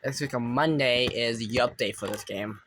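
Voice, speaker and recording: A man's voice: mid-range voice, moderate pace, fairly bright tone, slight background noise. A young man casually commentating his own gameplay as a streamer, rambling and thinking aloud, often trailing off mid-sentence. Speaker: gaming streamer.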